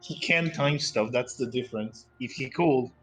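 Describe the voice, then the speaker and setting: A man's voice: medium pitch, normal speed, a bit bright, slight background noise, poor audio. A man playing a tabletop game, bantering casually with the group.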